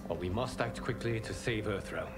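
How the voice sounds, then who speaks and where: An actor playing a solemn, respectful warrior ally in a video game, formal and measured as he urges action. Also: lowish voice, lightly acted. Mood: solemn, urgent. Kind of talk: dramatic video game cutscene acting. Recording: game audio under very loud music.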